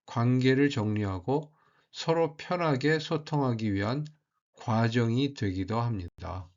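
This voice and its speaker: A man teaching as a language teacher, explaining culture in a calm, measured way. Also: medium pitch, muffled recording.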